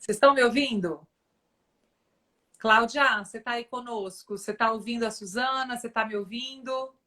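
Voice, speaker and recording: A woman's voice: a little high, normal speed, bright, forceful tone. A woman hosting a casual live stream, chatty and addressing viewers directly. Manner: chatty, fillers like né, talks to audience.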